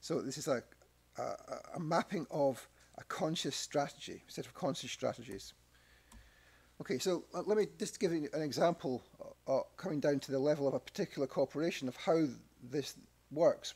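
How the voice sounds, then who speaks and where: A middle-aged Scottish academic researcher gives a conference presentation at a podium microphone in a press club conference room. His fairly high voice has vocal fry, a breathy edge, and a slightly mellow quality, and he makes dry asides and restarts often.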